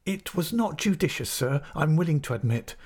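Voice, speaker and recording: A man's voice: a little high, animated, moderate pace, darkish tone, husky, pitched above the performer's own voice. A man voicing a humble, aggrieved assistant teacher in an audiobook, speaking formally and with restraint. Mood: restrained, resigned. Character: aggrieved, dignified, humble male assistant schoolteacher. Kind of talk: audiobook character acting.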